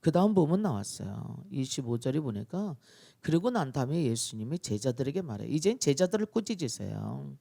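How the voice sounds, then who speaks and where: A male pastor preaching a dawn-prayer sermon, telling the story in an animated way and acting out scenes. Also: medium pitch, fairly quick, vocal fry.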